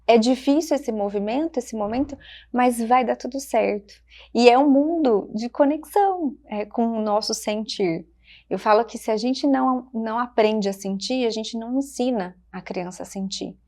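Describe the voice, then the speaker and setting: A woman with a Brazilian Portuguese accent, a child development specialist speaking gently and reflectively in short phrases on a podcast. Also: a little high, normal speed. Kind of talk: podcast conversation.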